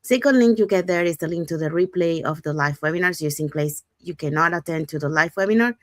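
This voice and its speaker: A woman's voice: lowish voice, fast, dry recording, clean studio sound. A woman from Panama, co-hosting a show and inviting viewers in an upbeat, repeating way. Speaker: co-host. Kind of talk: scripted show promotion.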